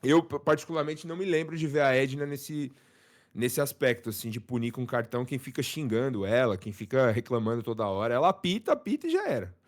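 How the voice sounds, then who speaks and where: A man co-hosting a live football talk stream in a casual, slangy, animated way. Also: mid-range voice, fairly quick. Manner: slangy, animated, with many fillers. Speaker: co-host commentator.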